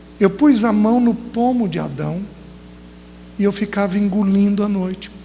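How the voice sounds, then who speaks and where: A man's high-pitched voice at a fairly slow pace, fairly even in intonation, with audible room echo. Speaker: preacher. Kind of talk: sermon. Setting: women's retreat, audience.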